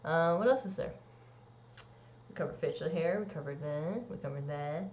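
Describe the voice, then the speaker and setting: A young trans man vlogging a casual personal update, rambling with lots of "like" and "um" and swooping into squeaky high bits. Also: moderate pace, darkish tone. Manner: rambling, many likes and ums. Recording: dull lo-fi sound.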